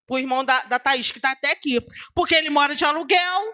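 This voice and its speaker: Satan as a pushy, commanding tempter, put on by a woman preacher during a sermon. The orders come curt and insistent in a high, bright voice. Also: fast talker.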